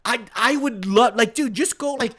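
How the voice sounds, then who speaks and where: A young man co-hosting a casual comedy podcast, animated and profane, laughing as he reads odd news stories. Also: very high voice, normal speed. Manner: animated, profane, laughing, puts on a mock British voice. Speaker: podcast co-host.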